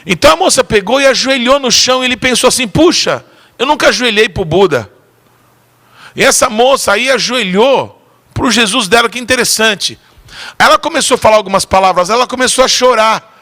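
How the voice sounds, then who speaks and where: A male pastor preaches a sermon and tells a story, pausing often to call for audience responses. His voice is high for a man and bright and forceful.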